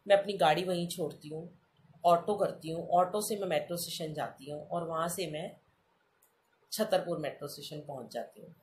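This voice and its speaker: Animated middle-aged woman telling a devotional story. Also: fairly low pitch, moderate pace, slight background noise. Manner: animated, addresses listeners as sangat ji, acts out dialogue. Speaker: satsang storyteller.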